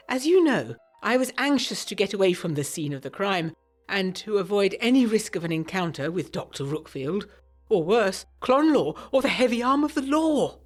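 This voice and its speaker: Expressive, earnest 1920s Englishwoman. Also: mid-range voice. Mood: urgent, confiding. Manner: formal, articulate, expressive period diction. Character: earnest, anxious young 1920s Englishwoman narrating her letter. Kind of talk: dramatised letter narration in a gothic audio drama.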